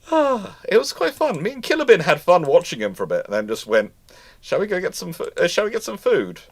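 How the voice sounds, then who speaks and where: A man's voice: high voice, big pitch swings, normal speed, no room sound. A man hosting a casual livestream as a historian, rambling and often repeating or rephrasing his words as he goes. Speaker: livestream host, naval historian. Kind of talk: casual chat, answering viewer questions.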